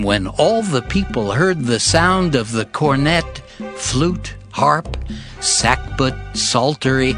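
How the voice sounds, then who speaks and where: A male narrator tells a scripture story slowly and solemnly, with wide, dramatic swings in his voice. Each phrase is set apart deliberately, and music plays clearly behind him. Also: medium pitch.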